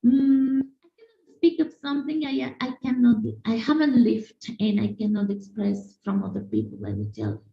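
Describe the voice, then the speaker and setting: A woman teacher from Mexico with a Mexican Spanish accent, giving an animated online conference talk and speaking directly to her audience. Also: a little high, normal speed, creaky. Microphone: video call. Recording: echoey room, dull lo-fi sound.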